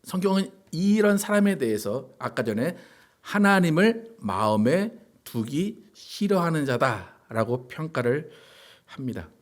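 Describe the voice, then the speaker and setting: A male pastor giving a sermon in a conversational way, often asking the congregation rhetorical questions. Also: mid-range voice. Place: church sanctuary.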